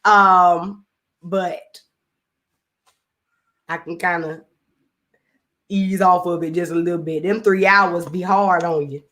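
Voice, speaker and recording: A young woman with a Southern accent talks casually on her live stream and reads comments from her viewers. She laughs often and stretches her words out in a lively, drawling way. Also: on the low side, takes it slowly, pauses often.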